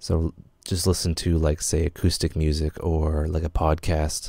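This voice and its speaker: A soft-spoken man talks with a very deep, low pitch and a dark, mellow tone in fairly even intonation. The recording is very clean, with a silent background. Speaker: music production youtuber. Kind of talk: tutorial. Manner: casual, hesitant with fillers.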